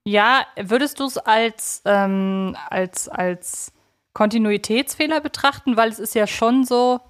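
A woman's voice: fairly high pitch, slow pace, clear, resonant tone. A woman co-hosting a casual podcast, thinking aloud in a reflective way. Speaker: podcast co-host. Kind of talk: casual conversational podcast discussion.

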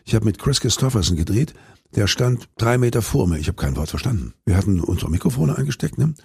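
Deep gravelly older German actor. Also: male voice, animated, fast, darkish tone, no room sound. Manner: anecdotal, rambling with restarts. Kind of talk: interview answers.

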